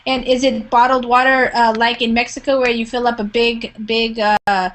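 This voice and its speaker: A woman's voice: a little high, flat delivery, moderate pace. A woman leading an online English conversation class who asks many questions and keeps encouraging her students. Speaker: English teacher.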